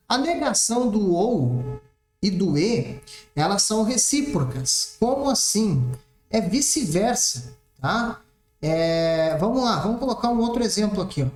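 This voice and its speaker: A man teaching an exam-prep math lesson, explaining step by step and checking in often. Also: high voice. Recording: roomy echoey room.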